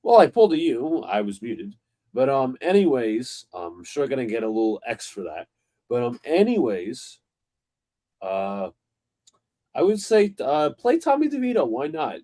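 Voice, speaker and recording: A man's voice: mid-range voice, big pitch swings, unhurried, warm tone. A man with a New York accent joining a live fan stream from home, talking in an easygoing way with lots of fillers. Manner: easygoing, storytelling, filler-heavy. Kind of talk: casual fan chat. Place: home, on a video call.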